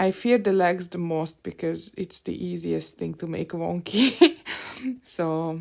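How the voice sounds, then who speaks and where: A woman speaks at a very slow pace with a non-native accent. Her volume rises and falls sharply. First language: not English. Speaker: digital artist. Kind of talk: tutorial. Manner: casual, halting with fillers.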